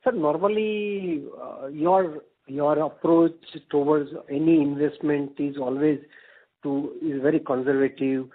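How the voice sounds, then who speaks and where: A man asking a question as an investor on an earnings call, halting and deferential. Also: a little high, steady tone. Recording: phone-like conference line.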